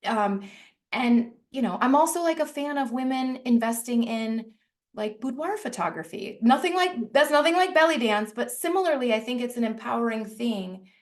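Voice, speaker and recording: A chatty woman hosting a podcast conversation, her voice sitting a little high. She circles her questions with restarts and fillers and laughs easily as she talks. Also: animated, moderate pace. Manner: chatty, searching for words with many restarts and fillers; laughs often while talking. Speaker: podcast host. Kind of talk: casual interview chat.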